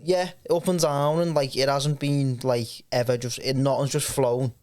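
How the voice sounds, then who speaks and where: A man's voice: mid-range voice, flat delivery, moderate pace, a little mellow. A young man chats informally and slangily as a podcast co-host. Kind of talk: casual chat.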